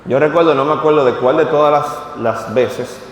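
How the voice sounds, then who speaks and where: A man's voice: on the high side, normal speed, slight background noise. A man, reading scripture aloud at a church vigil and then speaking plainly to the congregation. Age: 30s. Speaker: preacher. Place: church hall at a vigil service. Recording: echoey hall with long reverb.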